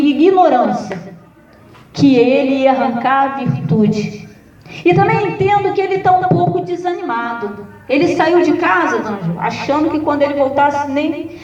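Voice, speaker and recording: A Brazilian woman pastor delivers a sermon in a high voice, telling stories with humor. She sounds distant in an echoey room, and the recording is dull and muffled. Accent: Brazilian Portuguese. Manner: lively, humorous storytelling with acted quotes.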